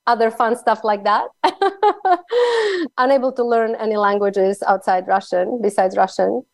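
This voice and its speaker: A woman's voice: on the high side, unhurried, vocal fry, no room sound. Woman, Slovak accent, cheerful, laughs often, dry sound. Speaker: guest speaker. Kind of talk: interview conversation.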